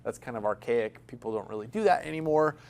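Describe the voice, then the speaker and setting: Teaching an accounting class, a man talks quickly in an expressive, medium-pitched voice with a slightly mellow quality. His classroom lecture is casual and jokey, and he regularly puts questions to the class.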